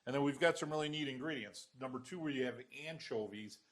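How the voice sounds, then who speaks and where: A man's voice: medium pitch, brisk. A man hosting a casual cooking show in a kitchen, chatting and teasing his guest. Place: home-style kitchen.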